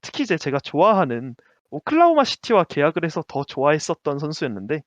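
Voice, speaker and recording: Casting: animated male co-host, higher voice, dull dry lo-fi sound. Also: quick pace, no echo. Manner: lively, laughs often, stumbles over names. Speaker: podcast co-host. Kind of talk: casual basketball chat.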